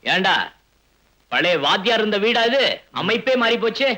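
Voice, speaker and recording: A man's voice: high voice, expressive, moderate pace, sharp tone, poor audio. An actor playing a blunt village strongman in an old film, commanding but kind at heart.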